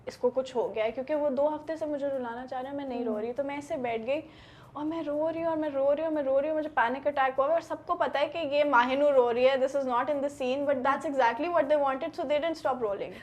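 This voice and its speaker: An actress in an interview, telling a lively story and mixing two languages as she talks. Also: sits high, highs cut off. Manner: animated storytelling, mixing Urdu and English. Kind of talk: casual interview chat.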